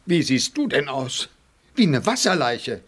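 A man's voice: medium pitch, big pitch swings, measured pace, a bit bright. An actor playing a good-natured middle-aged father in a radio play, fond and knowing in his teasing.

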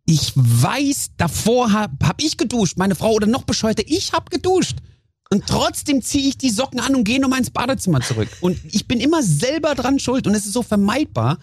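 A man guesting on a podcast, telling lively stories in casual chat and briefly acting out his own outbursts. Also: extremely high pitch, moderate pace, slightly rough, dry recording.

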